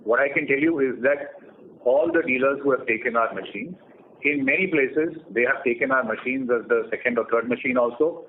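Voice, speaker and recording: An Indian-accented man speaks over a narrow, tinny phone line with some noise. He gives measured, explanatory answers as a company executive, in a mid-pitched voice. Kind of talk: earnings call answers.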